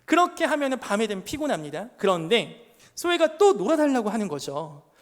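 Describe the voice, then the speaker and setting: A man in his thirties preaches to young adults, his pitch rising and falling in a lively, animated way. He drives his points home with pointed rhetorical questions and stories from his own family. His voice rings out with a long reverb through the church sanctuary. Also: a little fast. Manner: emphatic rhetorical questions and personal family anecdotes. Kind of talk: sermon.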